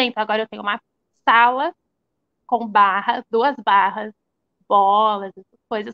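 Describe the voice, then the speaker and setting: A woman at a fairly high pitch and a moderate pace, with a bright, sharp tone and a dry, close sound with no echo. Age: 20s. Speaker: ballet student. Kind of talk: live video interview.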